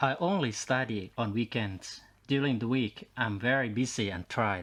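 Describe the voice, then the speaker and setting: Against a quiet background, a man speaks with a non-native accent. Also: medium pitch for a man, ordinary pitch variation, moderate pace. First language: not English. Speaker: student. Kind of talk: scripted dialogue.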